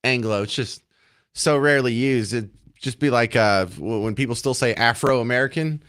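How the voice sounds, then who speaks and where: Wry talk radio host. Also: male voice, medium pitch, normal speed. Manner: wry, animated, takes calls and argues points.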